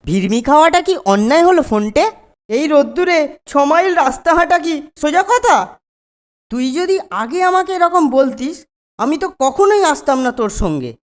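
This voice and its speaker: A woman's voice: high-pitched, very animated, normal speed. A woman voicing a grumbling, reluctant boy in a children's cartoon, complaining and exclaiming. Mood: dismayed, complaining.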